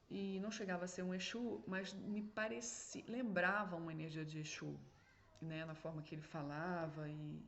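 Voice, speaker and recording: A woman talks as a spiritual medium recounting a session at home. She rambles in a casual monologue and checks in with "né?" after many phrases. Her voice sits a little low, and the recording sounds dull and lo-fi. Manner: rambling, with frequent "né?" and "entendeu?" asides.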